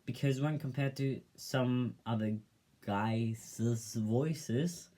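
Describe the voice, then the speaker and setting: A young man speaks to the camera in a soft, gentle voice at a middle pitch. He talks casually and thoughtfully, pausing often with fillers as he works through his thoughts. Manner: reflective, hesitant, with many fillers. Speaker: vlogger. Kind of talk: casual personal vlog.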